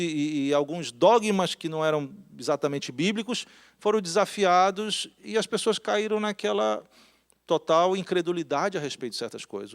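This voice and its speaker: A man preaches in a church hall, his voice sitting a little high for a man. He talks to the congregation in a plain conversational way and puts questions to them as he goes. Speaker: pastor. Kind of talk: sermon.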